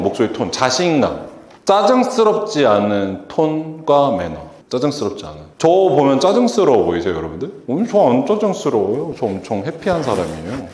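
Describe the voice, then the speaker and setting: A man's voice: mid-range voice, a little mellow, slight background noise. A man giving a public lecture to an audience, acting out quoted lines from customers and staff. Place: lecture hall. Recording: echoey lecture hall.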